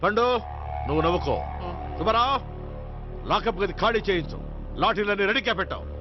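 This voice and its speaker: An actor playing a stern middle-aged police officer who scolds and lectures, in a film comedy. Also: male voice, high voice, brisk, close to an everyday voice. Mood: commanding. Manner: scolding, preachy. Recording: dull film soundtrack with music.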